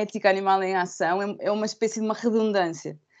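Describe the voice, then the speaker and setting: The background stays quiet. A woman speaks at a fairly quick pace. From Portugal. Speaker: philosophy professor; presenter. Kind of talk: lecture; conference talk. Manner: halting, many fillers. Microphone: video call.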